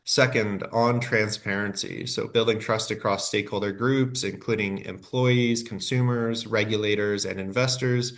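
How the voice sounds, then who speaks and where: A man's voice: lowish voice, steady tone, moderate pace, hardly any pauses, fairly bright tone. A man with a head cold and a nasal voice, giving a scripted workshop presentation with frequent fillers and self-corrections.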